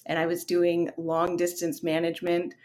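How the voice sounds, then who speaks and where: A woman's voice: fairly low pitch, completely flat delivery, moderate pace, darkish tone, slight background noise. A woman from Canada in her thirties, a guest on an interview, telling her career story in a casual, open way with fillers. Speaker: guest, real estate investor.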